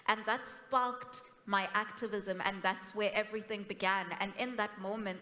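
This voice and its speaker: A young woman activist from South Africa speaks earnestly and deliberately on a panel. Her middle-pitched voice rings through a large hall. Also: a bit bright. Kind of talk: panel discussion answer. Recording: hall reverb, stage mic.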